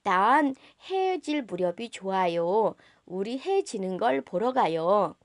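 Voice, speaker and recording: A woman's voice: medium pitch, big pitch swings, takes it slowly, no echo, clean studio sound. A woman voicing a small, wistful boy prince from a storybook, innocent and polite, with simple childlike phrasing.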